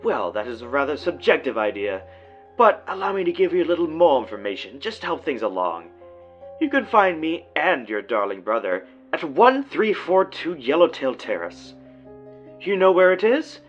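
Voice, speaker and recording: Deranged gentleman villain, florid and mock-polite, wildly swinging pitch, dull lo-fi audio drama sound with music behind. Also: sing-song, moderate pace. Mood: sly, gloating. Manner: mockingly polite, florid, savoring phrases. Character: gloating, theatrical, deranged male villain taunting an old rival.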